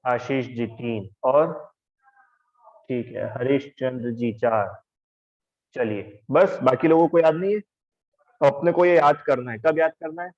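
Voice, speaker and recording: A man's voice: mid-range voice, slow pace, long pauses, darkish tone. Guy teaching a class over a video call, patient, makes kids repeat stuff, kinda muffled sound. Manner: patient, drills students by repetition and calls on them by name.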